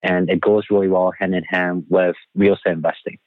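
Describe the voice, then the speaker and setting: A man from Taiwan speaks as an interview guest over a narrow, phone-like line. His voice sits fairly low and the sound is dry. He answers conversationally, in the role of a financial coach. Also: little pitch movement, fairly quick, no room sound. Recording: thin phone-like band-limited line.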